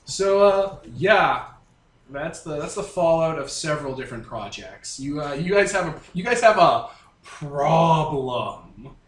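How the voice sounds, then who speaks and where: A man's voice: fairly high pitch, expressive, a little slow. A man running a tabletop game, narrating and bantering in a casual, jokey, colloquial way. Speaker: game master. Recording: roomy echoing sound with music behind.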